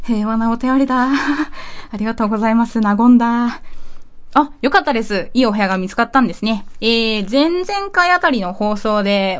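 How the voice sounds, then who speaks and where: A woman hosting an online radio show, chatting casually and playfully, joking and talking to herself. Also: medium pitch. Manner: playful, exclaims and talks to herself. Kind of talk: casual chat and story retelling.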